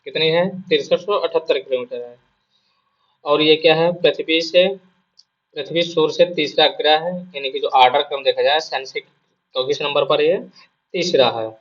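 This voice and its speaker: A man's voice: fairly high pitch, normal speed, dull audio. A male exam prep teacher with a sore throat gives a casual spoken lesson, repeating his points and asking and answering his own questions.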